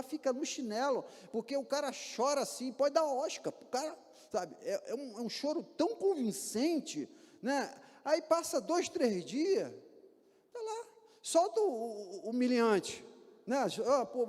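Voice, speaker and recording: A man's voice: very high-pitched, darkish tone. A man with a Brazilian Portuguese accent, a pastor preaching a sermon in a church, asking rhetorical questions and acting out examples. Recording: hall reverb.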